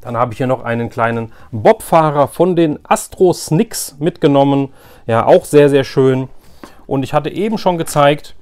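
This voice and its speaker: A man's voice: mid-range voice, a little mellow. A man talking casually and informally to his viewers as the host of a haul vlog, chatty and direct. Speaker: YouTube host, flea market collector.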